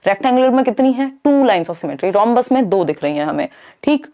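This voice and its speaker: A woman's voice: on the high side, sing-song, fairly quick, mellow. A young woman teaching an exam-prep lesson, explaining with rhetorical questions and mixing in English terms. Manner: explains in Hindi with English terms, asks and answers own questions.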